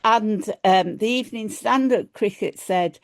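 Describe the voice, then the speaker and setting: Slow-speaking Yorkshire woman lecturing. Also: medium pitch. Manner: chatty, lots of ums and self-restarts. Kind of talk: academic lecture.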